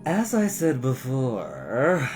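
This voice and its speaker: A man's voice: medium pitch, wildly swooping pitch, extremely slow, a little mellow, soft background music, full character voice. A man voicing a stern, condescending adult policewoman who speaks firmly and dismissively. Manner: firm, dismissive.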